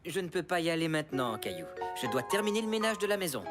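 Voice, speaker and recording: Cartoon father, lively swooping intonation, jovial, easygoing, busy, faint music behind. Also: fairly high pitch, quick pace. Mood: apologetic. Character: good-natured, busy young father in a children's cartoon. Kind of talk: French-dubbed preschool cartoon acting.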